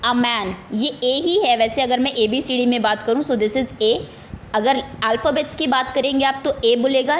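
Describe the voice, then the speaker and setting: A woman's voice: a little high, a little hiss or hum. Indian woman teaching English grammar. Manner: explains patiently in Hindi mixed with English, asks pupils questions. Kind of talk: online grammar lesson for children.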